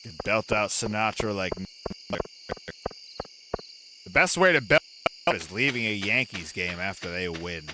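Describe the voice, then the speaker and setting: A man with a raspy voice streaming a co-op farming game, chatting loosely and drifting into pop-culture tangents. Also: fairly low pitch, a little slow, pauses often. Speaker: co-op gaming streamer. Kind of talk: casual gameplay banter. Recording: steady background noise.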